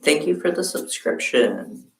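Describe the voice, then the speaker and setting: Laid-back guy streaming crafts at home, slow, a bit of fry, echoey room. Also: fairly high pitch, far from the mic. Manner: relaxed, halting, chats to viewers while working. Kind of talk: casual crafting livestream chat. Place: room at home, quilt behind. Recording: roomy sound from off-mic.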